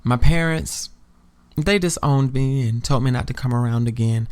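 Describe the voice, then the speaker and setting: A man's voice: mid-range voice, moderate pace, a little mellow, clean tone, close to an everyday voice. A man voicing a romantic, hopeful trans woman in her late twenties, sweet and sincere, in an audio drama. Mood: hurt but hopeful.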